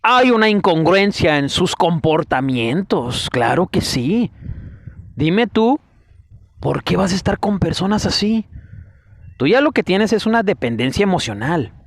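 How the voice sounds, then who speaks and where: Man, preacher, fiery scolding sermon, rhetorical questions, fairly high voice. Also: very animated, unhurried. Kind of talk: denunciatory sermon.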